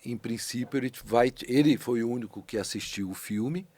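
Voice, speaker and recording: Animated Brazilian man, voice actor guest. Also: medium pitch, normal speed, slightly rough, no room sound. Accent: Brazilian Portuguese. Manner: thoughtful, animated, with frequent restarts and rising emphasis. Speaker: voice actor and dubbing director, guest. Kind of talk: casual conversational interview. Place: podcast studio.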